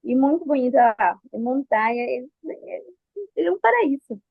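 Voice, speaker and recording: A woman's voice: high-pitched, expressive, a little slow, creaky, dry recording. A woman in her twenties from Colombia with a Colombian Spanish accent, speaking Portuguese as a second language and answering interview questions hesitantly, with many restarts. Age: 20s. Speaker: interview guest. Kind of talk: nervous personal interview answers. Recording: dry, phone-like audio.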